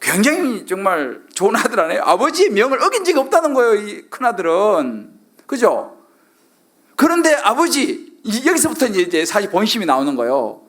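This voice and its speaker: A man's voice: high-pitched, wildly swooping pitch, brisk, a bit bright. A middle-aged male pastor preaching a sermon, constantly asking the congregation questions and acting out quoted lines.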